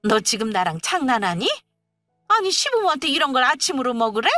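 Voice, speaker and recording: Brief: shrill, bright older mother-in-law, scolding, voiced by a woman, dry mic. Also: very animated, brisk, dry recording, far from the mic, faint music behind, full character voice. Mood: indignant. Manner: indignant, shrieking scolding. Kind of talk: storytelling drama voice acting.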